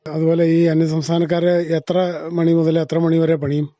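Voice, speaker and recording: A man with a Kerala accent works as a radio interviewer, asking conversational, inquisitive questions, checking the answers, and often ending with confirming tag questions. His fairly high voice has little pitch movement, a dark tone, and normal speed, in a dull, band-limited, dry radio recording with no echo.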